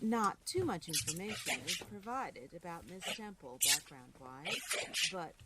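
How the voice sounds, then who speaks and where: An actress playing a stern, exacting schoolteacher, formal and pointed, in an audio drama. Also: female voice, on the low side, animated, unhurried, crowd noise. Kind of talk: full-cast audio drama acting.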